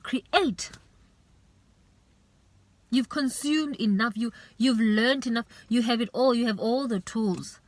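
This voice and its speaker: A woman's voice: a little high, slow pace, pauses often, no room sound. A woman giving an earnest, faith-based motivational talk as a vlogger, urging and repeating herself, with plenty of "you know".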